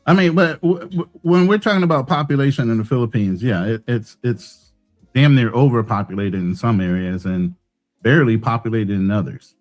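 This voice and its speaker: Male co-host, medium pitch, informal off-the-cuff commentary over faint music. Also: moderate pace. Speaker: livestream co-host. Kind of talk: casual livestream commentary.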